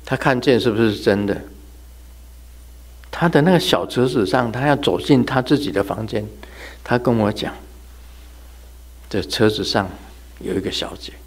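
A man's voice: medium pitch, normal speed, long pauses. A man giving a religious talk in a chatty, storytelling way, laughing and imitating sounds as he goes. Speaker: religious teacher. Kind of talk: sermon told as humorous ghost anecdotes.

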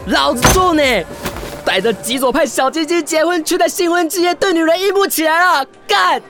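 A man's voice: very high voice, normal speed, bright, forceful tone, faint music behind, exaggerated voice. An actor with a Taiwanese accent playing a drunk, heartbroken, brash gay man in a radio drama, rambling and slurring. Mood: drunken outrage. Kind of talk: Mandarin radio drama acting.

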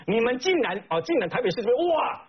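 High-pitched, fiery Taiwanese-accented male commentator. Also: very animated, quick pace, breathy edge. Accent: Taiwanese Mandarin. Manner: indignant, rhetorical questions, emphatic repetition. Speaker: political commentator. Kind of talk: talk show commentary. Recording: slightly dull broadcast audio.

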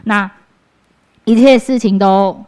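A woman's voice: medium pitch, takes it slowly, a little mellow, clean tone. A young woman with a Taiwanese Mandarin accent, giving a personal church testimony in an earnest, conversational way, with fillers and restarts.

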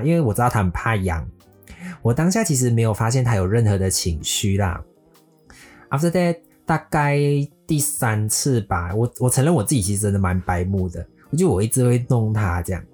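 A man telling a scripted personal story in a lively way, dropping English words into his sentences. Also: medium pitch, breathy edge. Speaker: storyteller recounting a motorbike trip. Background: faint guitar music.

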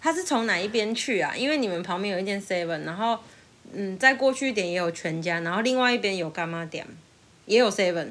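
A young woman with a Taiwanese Mandarin accent chats casually at a quick pace, her voice medium in pitch. She's an animated storyteller who laughs often.

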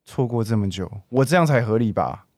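A man's voice: medium pitch, lively intonation, brisk, darkish tone, close to an everyday voice. A young man with a Taiwanese Mandarin accent acting a frank, clingy, doting gay boyfriend in an audio drama. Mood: pleading, affectionate.

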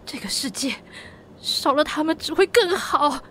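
A woman's voice: high voice, lively intonation, normal speed, bright, forceful tone, a little hiss or hum. An actress playing an earnest, hot-blooded young rookie policewoman in a Taiwanese-accented audio drama. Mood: bitter anger. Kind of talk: Mandarin audio drama acting.

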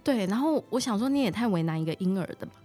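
A woman's voice: mid-range voice, racing, soft background music. A woman in her thirties with a Taiwanese Mandarin accent, a mother who is a podcast guest, telling stories and acting out the relatives she quotes. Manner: animated storyteller, acts out quoted relatives. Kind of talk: casual storytelling chat.

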